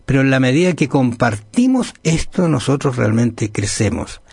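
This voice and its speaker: A man co-hosting a Bible study dialogue, explaining scripture calmly and steadily. His voice is mid-pitched and husky, recorded dry and close. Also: moderate pace, no room sound. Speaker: Bible study program co-host.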